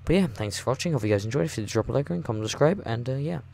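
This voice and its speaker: A man hosting a gaming video, chatting casually and reading a visual novel aloud in a hushed, late-night voice. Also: medium pitch, animated, rapid-fire, gravelly. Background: music.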